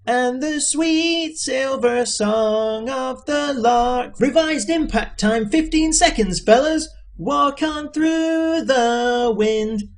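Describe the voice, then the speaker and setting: A man's voice: extremely high pitch, faint music behind, pitched above the performer's own voice. A man voicing a cheerful, oblivious spaceship computer with a nasal, singsong delivery in an audiobook. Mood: breezy cheer. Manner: chirping, crooning, drawn-out delivery. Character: cheerful, chirpy male ship's computer, breezily oblivious. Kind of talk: audiobook character voice.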